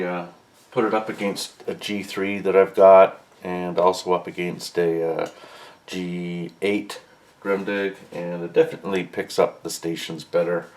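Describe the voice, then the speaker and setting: A man giving a casual, unscripted product review as a hobbyist, halting and mildly grumbling, pausing mid-sentence. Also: sits low. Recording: faint background room noise.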